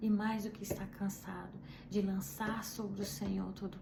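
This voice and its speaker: With audible room echo, a woman speaks at a moderate pace and medium pitch in a flat monotone. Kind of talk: devotional talk.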